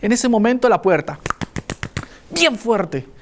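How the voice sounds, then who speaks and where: A man from Colombia preaching a sermon, telling a childhood story with lively acted-out voices. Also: high voice, slow pace, a little hiss or hum. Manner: animated storyteller acting out voices.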